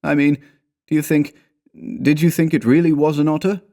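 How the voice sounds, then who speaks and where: A grave, fearful man from a storybook , acted out by a male reader. His voice is pushed up higher and is full of intense foreboding. He sounds fatalistic, as one who has accepted that danger is coming. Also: little pitch movement, normal speed, warm tone, natural voice. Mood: uneasy, insistent. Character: grave, frightened, fatalistic male canoe companion. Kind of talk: storybook character dialogue.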